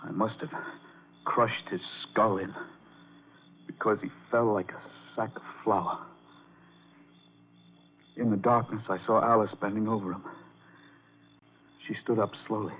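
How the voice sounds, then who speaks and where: A man's voice: fairly low pitch, steady tone, a little slow, long pauses, a little hiss or hum, lightly acted. An actor playing a nervous piano player who narrates his own crime in tense first person, in a 1950s radio drama on a tinny old broadcast. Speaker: narrator and lead.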